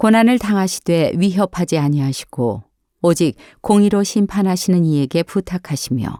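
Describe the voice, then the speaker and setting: On a very clean recording with a silent background and a dry, close sound with no echo, a woman with a plain, everyday voice speaks fairly slowly at a medium pitch with lively intonation. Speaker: retired broadcast announcer. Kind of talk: Bible reading.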